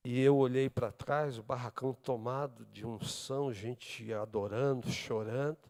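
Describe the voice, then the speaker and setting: A man's voice: medium pitch, steady tone, unhurried, long reverb tail. Brazilian pastor telling his testimony. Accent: Brazilian Portuguese. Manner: storytelling with acted dialogue, swings from loud to hushed. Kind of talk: testimony sermon. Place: church service.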